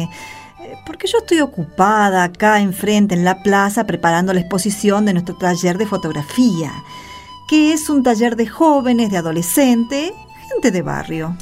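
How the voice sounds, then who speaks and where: A woman's voice: mid-range voice, expressive, moderate pace, darkish tone. An Argentine woman speaking colloquially as a guest in a conversational radio segment. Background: music.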